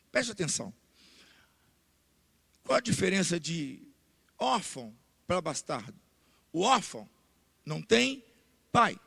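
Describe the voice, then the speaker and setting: Brazilian pastor preaching, really high bright voice, says stuff twice and gets loud, big echoey church. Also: male voice, gravelly, husky. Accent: Brazilian Portuguese. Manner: repeats key points, rising to loud emphatic declarations. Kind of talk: sermon. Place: church sanctuary. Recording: long church hall reverb.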